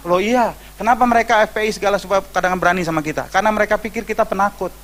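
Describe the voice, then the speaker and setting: Indonesian male pastor, fairly high voice, preaches by telling stories and putting on voices, with joking asides. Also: very fast, fairly bright tone. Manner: storytelling, acting out quoted voices, joking asides. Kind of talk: sermon.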